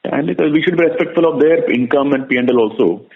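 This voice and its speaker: A man's voice: on the high side, fast talker, vocal fry. A man with an Indian accent answering analysts on an earnings call as a bank executive, talking conversationally and emphatically, often repeating his words. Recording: muffled narrow-band conference call audio.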